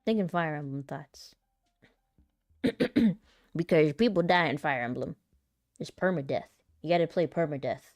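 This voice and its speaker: A chatty woman with a small, light voice, laughing easily and poking fun at herself as she thinks out loud. Her voice sits a little low for a woman and sounds close and dry, with no room around it. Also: unhurried, pauses often, no room sound. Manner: giggly, chatty and self-deprecating, thinking out loud. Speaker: aspiring voice actor and content creator. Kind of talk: casual vlog talk while practicing voice lines.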